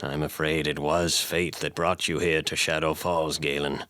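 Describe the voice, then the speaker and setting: A man playing a haunted, cryptic blind old ex-preacher in an audio drama, speaking deliberately and portentously in old-fashioned phrases. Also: a bass voice, flat delivery, pushed and bright, no room sound. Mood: ominous storytelling. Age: older.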